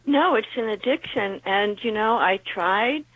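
A woman's voice: mid-range voice, animated, a little slow, a bit bright. A woman calling into a radio show, speaking hesitantly with many fillers. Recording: dull dry phone line.

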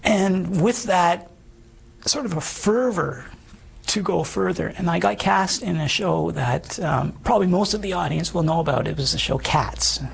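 Man around fifty, hoarse, heavy fry, raspy, earnest, halting speech. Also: high-pitched. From Canada. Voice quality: hoarse, gravelly voice. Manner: earnest, halting, many fillers and restarts. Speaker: guest sharing his testimony. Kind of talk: personal testimony in conversation.

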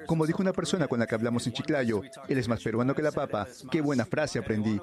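A man giving a voice-over interpretation of a guest interview in a steady, measured delivery. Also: mid-range voice.

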